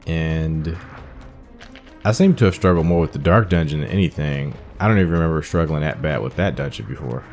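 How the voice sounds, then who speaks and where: A man's voice: very deep voice, a little fast, a little mellow. A man giving casual gameplay commentary as a video host, informally thinking aloud as he plays. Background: game music.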